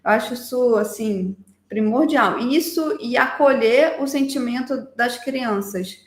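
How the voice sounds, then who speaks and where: A woman's voice: on the high side, unhurried, echoey room, slight background noise. A woman hosting a podcast in casual chat, speaking earnestly and acting out what parents and children say. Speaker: podcast host.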